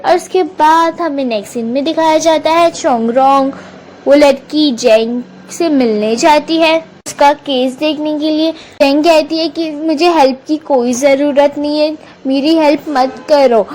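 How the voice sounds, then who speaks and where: Casting: female narrator with a high voice, casual drama recap, slips in English words. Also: measured pace, a little mellow, a little hiss or hum, low-quality recording. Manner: retells scenes, quoting characters briefly; mixes English words into speech.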